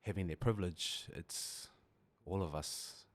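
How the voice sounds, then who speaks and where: Deep-voiced New man, thoughtful. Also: fairly bright tone. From New Zealand. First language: Samoan. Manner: thoughtful, pauses to find words. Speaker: guest. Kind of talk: reflective podcast conversation.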